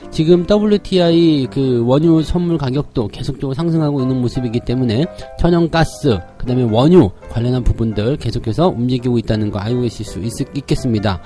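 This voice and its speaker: A man with a slightly hoarse voice giving a daily stock market briefing, explaining each point step by step. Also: medium pitch, fast, few pauses, mellow, soft background music. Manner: explanatory, frequent "자" openers.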